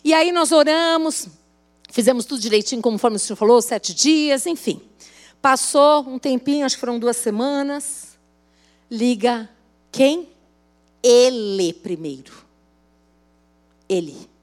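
A woman's voice: fairly high pitch, expressive, unhurried, pauses often. A woman pastor preaching at a women's church service, telling a story in a chatty way and asking the congregation questions. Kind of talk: sermon.

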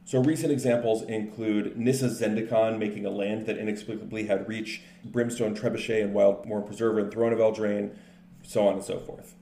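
A man with a low, gravelly voice co-hosts a podcast, chatting casually about card games. He sounds relaxed and explanatory, rattling off card names in quick lists. The room is echoey, with faint noise in the background.

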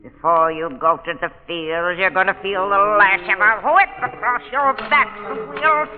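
An actress playing a cruel, imperious plantation mistress in old radio drama style, with a commanding, theatrical delivery. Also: female voice, medium pitch, a little slow, soft background music, close to an everyday voice. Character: cruel, imperious female plantation mistress enslaving drugged men. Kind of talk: 1940s radio drama acting. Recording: old muffled radio recording, long reverb.

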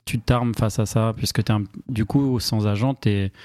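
A man co-hosting an interview, asking questions in a relaxed, casual way. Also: fairly low pitch, moderate pace. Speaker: podcast co-host, interviewer.

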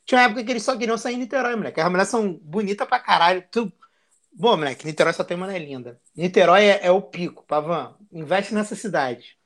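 A man's voice: sits high, lively intonation, fast talker, a bit bright. A man, a podcast guest talking in a crude, slangy, boisterous way. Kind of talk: casual chat.

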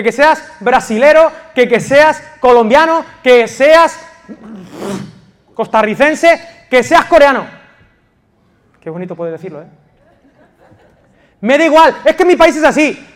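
A man from Spain preaching a passionate sermon as pastor of a church, swinging from loud emphasis to quiet intimacy. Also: very high voice, lively intonation, unhurried, pauses often. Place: church in Valencia.

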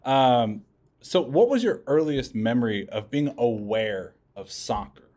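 A man's voice: medium pitch, lively intonation, unhurried, a little mellow. A man co-hosting a podcast, chatting in an easygoing, jokey way. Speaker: podcast co-host. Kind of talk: casual podcast chat.

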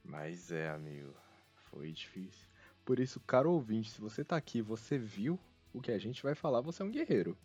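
A man's voice: lowish voice, very animated, normal speed, darkish tone, husky. A Brazilian man hosting a casual podcast, chatting in a wry, self-mocking way. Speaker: podcast host. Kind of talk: casual humorous anime podcast chat. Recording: dull lo-fi sound, music behind.

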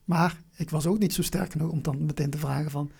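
Husky, creaky, halting southern Dutch voice. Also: medium pitch, steady tone, darkish tone. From Venlo, Limburg, Netherlands. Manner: halting, searching, repeats words. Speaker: interview guest. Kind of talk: personal interview, reflective.

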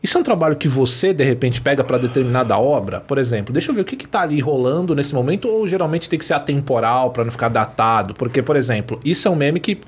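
A man co-hosting a podcast, enthusiastic and animated in casual chat. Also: mid-range voice, fast talker, few pauses, a little hiss or hum.

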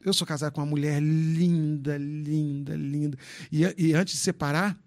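A man's voice: on the high side, steady tone, normal speed, darkish tone. A man in his fifties from Brazil, talking loosely and frankly on a podcast, joking and swearing as he tells his story. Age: 50s. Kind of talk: casual podcast chat.

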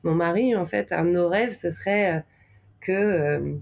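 A woman's voice: lowish voice, moderate pace, gravelly, a little mellow. A woman from Normandy with a French accent, talking reflectively as a podcast guest, searching for her words and stressing key ones. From Normandy, France. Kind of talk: reflective conversational interview.

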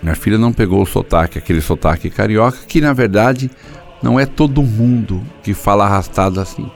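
An older pastor with a lowish, brisk, creaky voice preaches a sermon over soft background music. He tells stories and acts out dialogues in shifting voices.

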